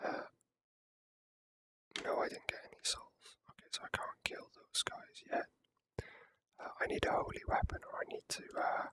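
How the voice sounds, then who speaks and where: Whispering ASMR gamer, very close and soft. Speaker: video game streamer. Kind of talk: whispered ASMR gameplay commentary.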